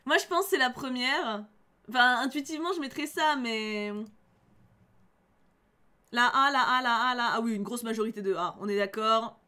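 A young woman streamer giving casual game commentary in an animated, teasing, chatty way. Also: a little high. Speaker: let's player and streamer.

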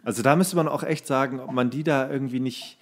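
A man's voice: medium pitch, fairly even intonation, quick pace. A man co-hosting a podcast, telling rambling anecdotes in casual, comedic chat and acting out quotes. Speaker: podcast co-host.

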